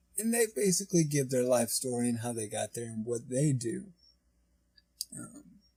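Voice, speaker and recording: With a dark, mellow tone and medium pitch, a man speaks in a somewhat breathy voice with lively intonation at a moderate pace, leaving long, frequent pauses. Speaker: aspiring voice actor. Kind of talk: casual web show talk to camera. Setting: home recording, poor microphone. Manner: hesitant, with many pauses and filler sounds.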